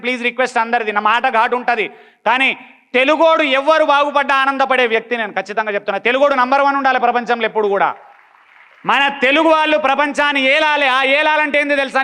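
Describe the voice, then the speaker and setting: A man's voice: extremely high pitch, pushed and bright, clean tone. A man giving a blunt motivational talk, full of repeated rhetorical questions. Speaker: motivational speaker.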